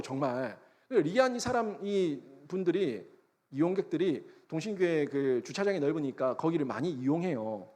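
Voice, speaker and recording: A man preaching a sermon as pastor, telling a story with a Gyeongsang accent and acting out quarrels with sudden loud bursts. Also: fairly high pitch. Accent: Gyeongsang Korean. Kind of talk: sermon with anecdote. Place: church sanctuary.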